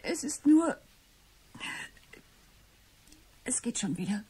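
An actress playing a subdued, polite young secretary in a radio play, giving reserved answers in a soft, breathy voice. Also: female voice, fairly high pitch, sing-song, normal speed, exaggerated voice, low-quality recording. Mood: faint, polite. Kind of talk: German radio play acting.

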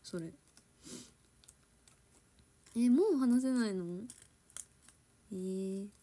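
A woman's voice: mid-range voice, drawn-out words, warm tone. A young woman with a Kansai accent chatting casually with viewers on a livestream, giggling often and switching between standard Japanese and Kansai dialect. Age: young adult. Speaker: idol livestreamer. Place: home.

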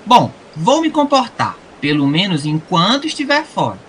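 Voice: medium pitch, huge pitch swings, moderate pace, a bit bright, slight background noise. An actor with a Brazilian accent playing a dutiful young prince placating his father in an audio drama. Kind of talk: comic audio drama acting.

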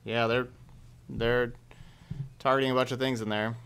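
A man's voice: mid-range voice, little pitch movement, moderate pace, gravelly, fairly bright tone, clear, resonant tone. A man in his thirties giving casual commentary on a game he is streaming from a room at home.

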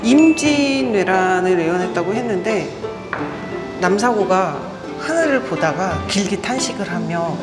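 A woman's voice: medium pitch, animated, measured pace, rough recording. A woman vlogger casually explaining a historic site on a cycling trip, chatty, with frequent laughs and fillers. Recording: loud background music.

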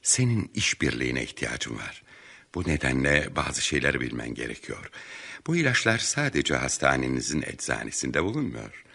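An actor playing a tough, commanding and mocking police inspector in a Turkish radio drama. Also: male voice, rumbling low, big pitch swings, moderate pace, gravelly, bright, forceful tone, breathy edge, exaggerated voice. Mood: businesslike, probing.

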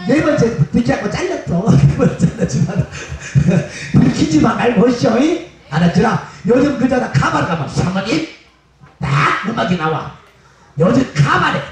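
A man, a pumba street performer, teasing the crowd with loud, bawdy jokes at an outdoor beach show. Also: high-pitched. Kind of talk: bawdy stage banter with the crowd. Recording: echoey PA sound from far off, music behind.

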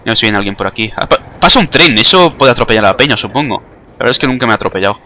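A man's voice: mid-range voice, expressive, very fast, bright, forceful tone. A young man with a Spanish accent from Spain gives chatty, joking commentary while playing a game, mocking his own skills. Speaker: gaming commentator. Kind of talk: casual gameplay commentary.

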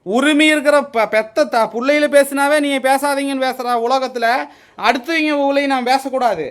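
A man, a husband, arguing heatedly with his wife, defensive and swearing, at times shouting. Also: very high voice, fairly even intonation, moderate pace. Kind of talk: heated domestic argument.

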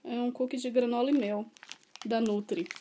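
A woman's voice: a little high, fairly even intonation, normal speed, dark tone, recorded from a distance, slight background noise. A woman, chatting casually in a home vlog and doting on her pet in baby talk while she bathes it. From Brazil. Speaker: pet owner vlogger. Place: indoors at home, bathing a pet.

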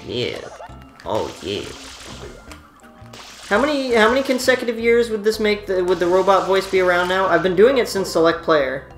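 A woman's voice: medium pitch, big pitch swings, normal speed. A woman hosting a let's play, chatting casually and swearing freely as she jokes around. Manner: laid-back, profane, joking. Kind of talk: casual gameplay chat. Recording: roomy room, faint game music.

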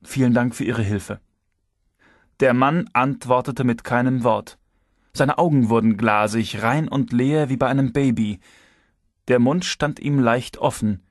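Male audiobook narrator, even first-person read, mid-pitched, close and dry. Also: unhurried, dry recording.

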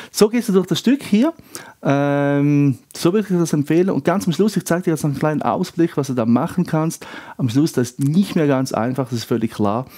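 Mellow-voiced man teaching piano. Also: medium pitch. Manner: relaxed, counts rhythms aloud. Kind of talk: casual piano tutorial.

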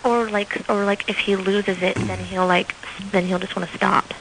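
Young female caller, unsure and halting, soft voice with a gravelly creak. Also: medium pitch, flat delivery, noisy background. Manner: hesitant, unsure, soft-spoken.

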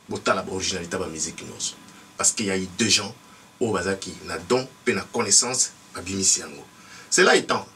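Middle-aged Congolese man, emphatic promo pitch to camera, lively voice, faint room noise. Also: distant mic. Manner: emphatic, mixing French and Lingala. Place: indoor studio set.

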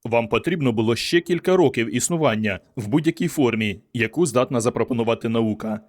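A man voicing an earnest, excitable young doctor who speaks with fervent conviction. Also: medium pitch, brisk, close to an everyday voice. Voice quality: fervent, emphatic.

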